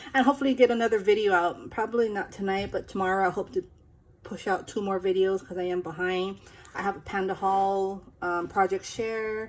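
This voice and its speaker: With an unremarkable speaking voice, a woman talks at a moderate pace and medium pitch in fairly even intonation. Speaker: paper craft YouTuber. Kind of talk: casual chat; tutorial. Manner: many fillers and restarts.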